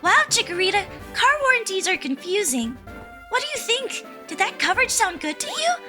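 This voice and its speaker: Young cartoon girl, very high voice, animated swoops, chirpy, bluntly condescending, comedic fan dub. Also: brisk, music in the background. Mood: cheerful, chatty. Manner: bubbly, breezily condescending.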